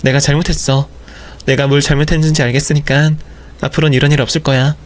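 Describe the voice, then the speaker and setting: A man's voice: a little high, flat delivery, fast talker, lightly acted. A man playing a defensive young wife who stammers and pleads with her husband. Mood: pleading. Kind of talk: audio drama storytelling.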